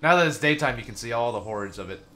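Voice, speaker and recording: A young man playing a survival game, joking and swearing, with sudden loud outbursts. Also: mid-range voice, expressive, quick pace. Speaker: gaming YouTuber. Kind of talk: let's play commentary.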